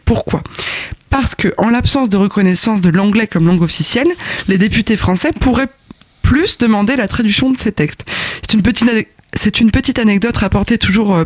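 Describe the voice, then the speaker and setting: High-voiced, wry man hosting. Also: dry recording. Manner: playful, wry, laughs often. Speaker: host. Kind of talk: explainer video narration.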